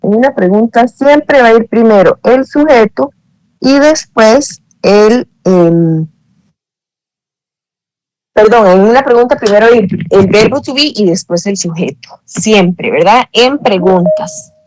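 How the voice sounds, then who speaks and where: A woman's voice: a little high, slow pace, darkish tone, dry recording, poor audio. A woman teaching an English lesson online, explaining patiently, checking in with her students and correcting herself as she goes. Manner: corrects herself mid-sentence.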